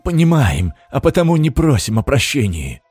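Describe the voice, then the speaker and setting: A man's voice: mid-range voice, sing-song, normal speed, a little mellow, breathy edge, no echo, faint music behind, pitched above the performer's own voice. A man voicing a mutilated male henchman who pleads and mumbles plaintively. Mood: pleading.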